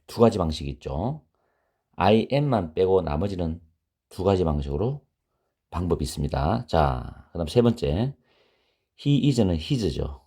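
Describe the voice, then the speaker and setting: A male English teacher gives a beginner grammar lecture at an unhurried pace. His voice is very low and dark, and it rises and falls a lot as he repeats example sentences. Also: very animated, slightly rough.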